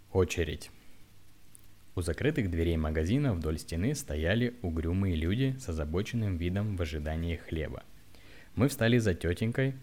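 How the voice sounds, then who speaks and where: A man reading a story aloud in a plain, steady way, with occasional stumbles. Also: low-pitched. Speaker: narrator.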